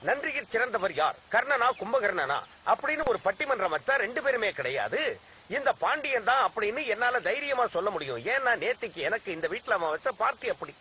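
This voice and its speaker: Fake holy man, bragging, lively swinging pitch, bright voice; film audio with a faint hiss. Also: a little fast, breathy edge, exaggerated voice. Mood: boastful. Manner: boastful, showy. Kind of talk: film acting.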